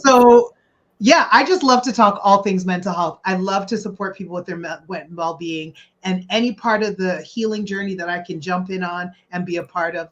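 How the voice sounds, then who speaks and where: A woman's voice: lowish voice, fairly bright tone. A middle-aged woman from Canada speaking informally as a guest expert, chatty and explanatory. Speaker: guest mental health expert, social worker. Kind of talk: informal talk to an audience. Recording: dull lo-fi sound.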